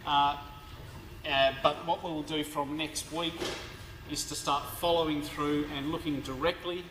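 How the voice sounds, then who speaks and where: Hoarse, slow-talking male lecturer in a hall. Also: fairly high pitch. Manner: slow and halting, with many fillers and restarts. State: hoarse, tired voice. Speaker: law lecturer. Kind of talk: university lecture. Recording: echoey lecture hall recording with background noise.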